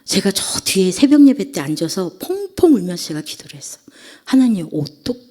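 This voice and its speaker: A middle-aged woman preaches in a church, telling a personal story in a warm, mellow voice. She slips into hushed whispers, then lifts her voice again. Her pitch sits in the middle range. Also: sing-song, fairly quick. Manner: emotional storytelling, drops to whispers then rises. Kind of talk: sermon testimony. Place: church sanctuary.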